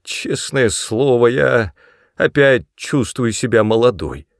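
A man voicing a timid old grandmother who speaks softly in a raised voice and giggles as she gets tipsy. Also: animated, takes it slowly, dry recording, clean studio sound. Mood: timid, giggly. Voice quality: higher, soft, giggling.

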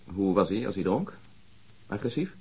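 An actor playing a calm, courteous, probing police detective in a naturalistic radio drama. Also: male voice, low voice, husky, exaggerated voice. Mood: polite, probing. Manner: measured, polite, matter-of-fact.

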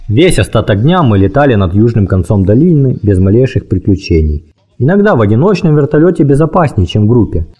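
A man reading a first-person war memoir as an audiobook, in a lively storytelling manner, raising his pitch for the dialogue. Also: fairly quick, husky, soft background music. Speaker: audiobook narrator.

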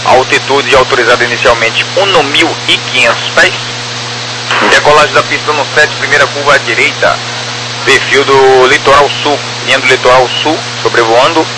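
A man's voice: medium pitch, normal speed. Brazilian man controlling air traffic over crackly radio. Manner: clipped, formulaic instructions. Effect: crackly two-way radio. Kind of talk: procedural aviation radio communication. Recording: crackly, humming aviation radio channel.

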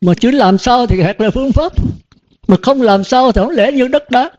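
Older male monk preaching; high voice, mellow tone, folksy and questioning, dull lo-fi sound. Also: normal speed. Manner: folksy, rhetorical questions, chuckles often. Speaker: Buddhist monk teacher. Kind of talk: dharma talk to disciples. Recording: dull lo-fi recording.

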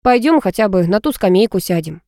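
A woman's voice: medium pitch, animated, brisk, warm tone, no echo, clean studio sound, close to an everyday voice. A woman reading the lines of a cocky, teasing young male classmate in an audiobook. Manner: mocking, teasing banter.

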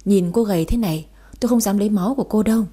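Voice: mid-range voice, rapid-fire, dark tone, breathy edge, natural voice. A woman doing a firm, cautious doctor. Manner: firm, refusing.

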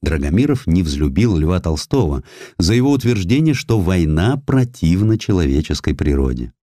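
A man reading a historical sketch as an expressive audiobook narrator, telling it dramatically with rhetorical turns. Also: deep voice, normal speed, no echo, studio quality. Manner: dramatic storytelling with rhetorical questions and exclamations.

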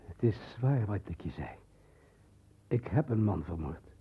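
An actor playing a dissolute, worn-out, despairing man with a husky, breathy voice in a 1960s radio drama, on a muffled old recording. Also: on the low side, animated, unhurried, mellow, heavily acted. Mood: shaken, resigned.

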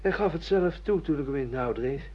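A man's voice: fairly high pitch, lively intonation, fairly quick, breathy edge. An actor playing a bitter, defiant judge who has lost his memory, argumentative and sardonic, in a Dutch radio play. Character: bitter amnesiac judge, defiant man refusing his past. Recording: dull lo-fi radio play recording.

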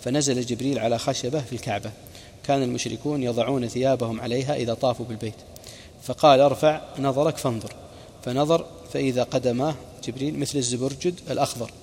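A man's voice: medium pitch, a little mellow, long reverb tail, a little hiss or hum. A man preacher narrating a religious history lesson, recounting reports and quoted sayings with brief explaining asides.

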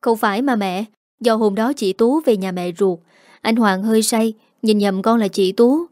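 Pleading, apologetic young woman, voiced by a woman narrator, mellow tone. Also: on the high side, normal speed, no room sound, studio quality, lightly acted. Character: pleading young adult pregnant daughter.

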